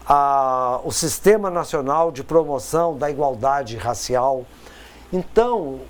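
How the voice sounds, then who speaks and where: A man giving a recorded course lecture in a conversational way, with frequent tag questions, pauses and repeated words. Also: fairly high pitch.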